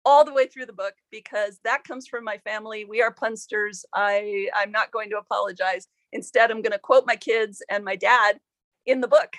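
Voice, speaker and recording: A woman's voice: medium pitch, normal speed, a bit bright, no room sound, poor audio. A woman historian answering interview questions thoughtfully, with frequent ums and restarts, in a self-deprecating way. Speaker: author and historian.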